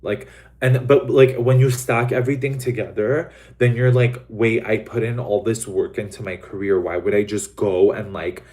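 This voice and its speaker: A young man from Los Angeles hosts a casual livestream, his voice sitting a little low. He rambles, leaning on "like" and "um" constantly, and swears bluntly when he gets going. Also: fairly even intonation, moderate pace, a little mellow. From Los Angeles, USA. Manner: rambling, many fillers like "like" and "um". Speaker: livestream host. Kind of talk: casual chat to live viewers.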